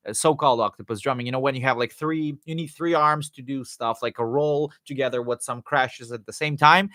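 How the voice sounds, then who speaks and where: A man's voice: a little high, a bit bright, dry recording, clean studio sound. Casual male drummer answering chat questions. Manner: rambling, many fillers and restarts, jokey asides. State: voice going hoarse. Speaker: drummer hosting a live Q&A.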